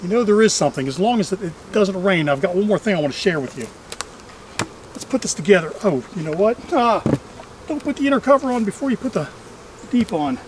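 Middle-aged male vlogger, high voice, chatty and dryly funny working commentary, outdoors with faint background buzz. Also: animated, a little fast, noisy background. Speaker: beekeeper and vlog host. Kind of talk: casual running commentary while working. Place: outdoors among trees at beehives.

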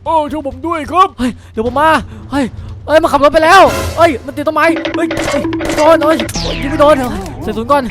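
A man voicing a clumsy, excitable young policeman who shouts a lot and turns meekly apologetic, in a dubbed Minecraft cartoon with music behind. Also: very high voice, fast. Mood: frantic. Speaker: channel host.

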